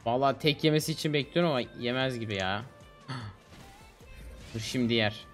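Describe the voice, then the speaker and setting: A man in his twenties streaming a game, chatting casually and excitably with slangy, teasing banter. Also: medium pitch, normal speed, soft background music. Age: 20s. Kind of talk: casual gaming commentary with a teammate. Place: small home streaming room, indoors.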